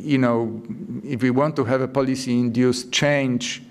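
Halting man explaining carbon pricing. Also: mid-range voice, fairly even intonation. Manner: halting, repeats words while building an argument. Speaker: panelist. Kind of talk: policy panel discussion.

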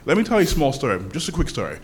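A man's voice: a little high, wildly swooping pitch, rapid-fire, a little hiss or hum. A man speaking up from the audience at a public forum, telling things informally in an emphatic, conversational way.

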